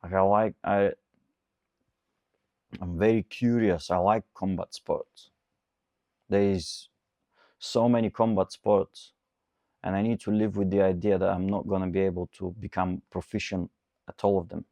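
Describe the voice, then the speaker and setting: A man's voice: low-pitched, level tone, unhurried, pauses often, mellow, no echo, studio quality. A man in his twenties, a coach, giving an earnest, repetitive motivational talk. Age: 20s. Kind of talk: motivational monologue.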